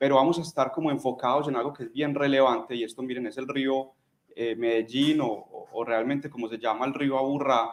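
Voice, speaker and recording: A man with a strong Antioquian accent speaks at a fairly quick pace, his medium pitch carried in fairly even intonation. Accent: strong paisa. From Colombia, Antioquia (paisa). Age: 30s. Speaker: landscape architect. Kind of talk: lecture. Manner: casual, many filler words.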